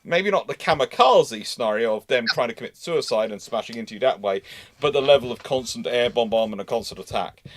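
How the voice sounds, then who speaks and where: A man hosting a live history talk, explaining off the cuff in a halting way, repeating and rephrasing for emphasis. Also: mid-range voice, no echo. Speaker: host answering naval history questions.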